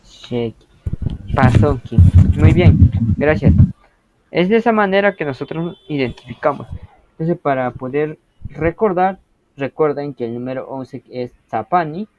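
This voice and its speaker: A man's voice: a little high, expressive, unhurried, pauses often, darkish tone, no echo, lo-fi sound. A man teaching an interactive language lesson, patiently explaining and often checking that students follow.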